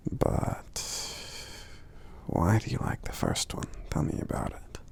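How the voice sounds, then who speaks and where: In an ASMR roleplay, a man plays a friendly gentle giant, speaking slowly, softly and hesitantly with a breathy, gravelly voice that often drifts toward a whisper. He murmurs little hums between phrases and sounds kind and curious, with a lightly acted touch.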